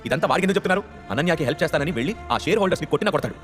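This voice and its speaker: A man's voice: on the high side, lively intonation, racing, in a large hall, soft background music, lightly acted. A man voicing a scornful rich mother. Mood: furious. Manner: scolding, scornful, loud. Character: haughty angry rich mother, middle-aged woman.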